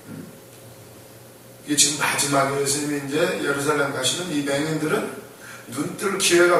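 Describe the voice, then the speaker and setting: A man preaching a conversational sermon to a congregation, acting out the blind men's shouting and laughing often as he tells the story. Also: on the high side, a little hiss or hum. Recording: echoey room, voice from far off the mic.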